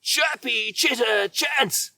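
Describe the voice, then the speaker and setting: A man voicing a feisty, boastful, territorial little robin from a children's storybook, chanting loudly with drawn-out words. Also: very high-pitched, creaky, no echo, voice pushed up, heavily acted. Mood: boastful, defiant.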